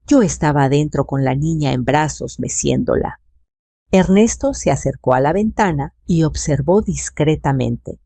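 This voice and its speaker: An older woman narrating a first-person family drama in a steady, dramatic way. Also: sits low, moderate pace, vocal fry, dry recording.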